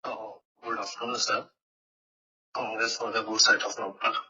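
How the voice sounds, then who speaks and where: Indian accent guy asking formal investor questions, very rough sharp voice, lo-fi call. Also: fairly low pitch, flat delivery, moderate pace. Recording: muffled, lo-fi phone conference line.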